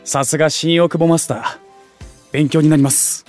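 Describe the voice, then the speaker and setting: An actor playing an excitable young otaku food streamer in an audio drama, talking in geeky slang with exaggerated reactions and junior-style politeness. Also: male voice, a little high, normal speed, faint music behind, lightly acted. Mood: enthusiastic. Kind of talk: Japanese audio drama acting.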